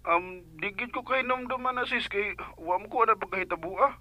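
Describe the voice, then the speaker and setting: A woman's voice: mid-range voice, brisk, highs cut off, close to an everyday voice. A Bisaya Filipino woman playing a scatterbrained, teasing, chatty sidekick with an exaggerated, flippant manner in radio comedy.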